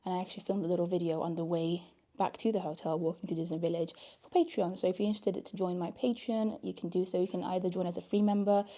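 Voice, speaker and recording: A young woman chatting casually in a late-night vlog, tired and a little hoarse, talking to a handheld camera, first outdoors by fountains and then in a hotel room. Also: on the low side, steady tone, fast talker. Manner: chatty, warm and a little tired, with soft laughs. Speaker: vlogger.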